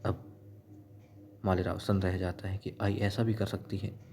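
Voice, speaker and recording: A man's voice: deep voice, level tone, unhurried, darkish tone, a little hiss or hum. A man narrating a recap of a TV serial episode in a chatty storytelling way. He talks straight to viewers as friends. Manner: chatty, addresses viewers as friends, repeats "yes indeed".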